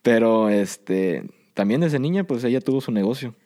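A young man from Southern California, telling his story as a guest in a relaxed, rambling way with frequent fillers. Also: mid-range voice, normal speed. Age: young adult. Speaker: guest entrepreneur. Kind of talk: casual interview storytelling.

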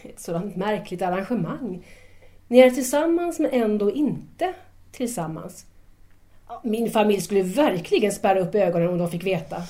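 A woman's voice: medium pitch, expressive, dark tone, close to an everyday voice. An actress playing a shy, admiring seventeen-year-old schoolgirl in an audio drama, polite, tentative and eager. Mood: questioning.

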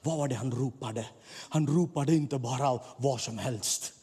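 A middle-aged man preaching a sermon as a pastor, moving between soft, low passages and loud, fervent peaks. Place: church hall. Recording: echoey hall, slightly husky.

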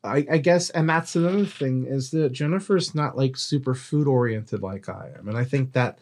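Man, medium pitch, podcast co-host, casual chat, agreeable interjections. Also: normal speed, darkish tone.

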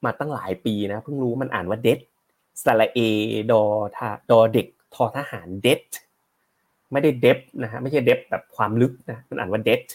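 A man's voice: medium pitch, brisk, few pauses, husky. A man hosting a casual live stream about stocks, chatting with viewers and explaining news headlines, slightly short of breath. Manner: chatty, rambling, reads headlines aloud and explains them. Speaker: host of a stock market live show.

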